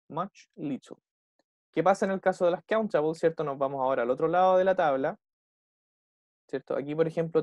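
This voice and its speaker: A young man with a Chilean Spanish accent teaches an online English class, walking through each step and checking in with students after nearly every phrase. His voice is a little high with a darkish tone, recorded clean in a studio with no room sound.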